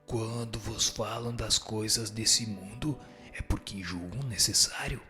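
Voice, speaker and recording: A man's voice: lowish voice, fairly even intonation, unhurried, pushed and bright, faint music behind. A man with a Brazilian accent voicing a solemn spirit who gives stern moral teaching in a scripted radio drama. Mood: solemn, admonishing. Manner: solemn, didactic.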